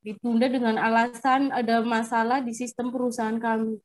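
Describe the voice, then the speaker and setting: Woman on a video call, kinda high voice, polite and soft, short answers. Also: little pitch movement, a little fast, low-quality recording. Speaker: coaching client, job seeker. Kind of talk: casual conversation.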